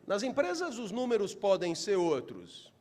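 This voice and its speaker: High-voiced man lecturing. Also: huge pitch swings, moderate pace. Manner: rhetorical questions, builds to emphatic, louder delivery. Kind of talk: motivational philosophy lecture.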